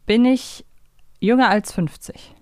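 A woman's voice: on the high side, slow pace, smooth, no room sound, studio quality. A woman co-hosting a guessing game in casual chat, thinking aloud and asking short questions. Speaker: co-host of a fan quiz show.

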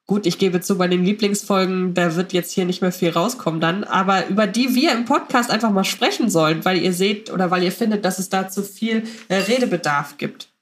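Mid-pitched woman hosting a podcast. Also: brisk, few pauses. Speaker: podcast host. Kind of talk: casual moderated discussion.

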